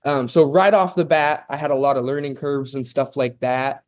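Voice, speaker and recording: A man from Oklahoma, a podcast guest who talks in a relaxed, rambling way and often says "um" and "and stuff". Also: medium pitch, normal speed. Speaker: guest, zoo founder. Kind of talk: casual interview talk.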